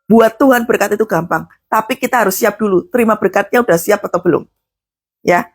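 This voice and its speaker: A woman's voice: medium pitch, fairly quick, husky. A woman preaching a sermon, exhorting her listeners fervently in a colloquial way.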